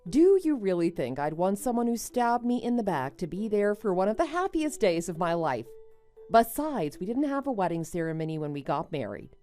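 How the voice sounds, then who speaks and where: Woman acting an expressive, indignant young wife. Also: medium pitch, moderate pace, soft background music, lightly acted. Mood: indignant, firm. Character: indignant, level-headed young married woman, betrayed friend. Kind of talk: melodramatic animated-story voice acting.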